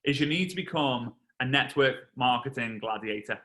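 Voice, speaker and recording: A man from England in his thirties, a network marketing trainer telling a lively story on a video call and acting out the voices. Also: medium pitch, moderate pace. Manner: animated storyteller, acts out voices and shouts.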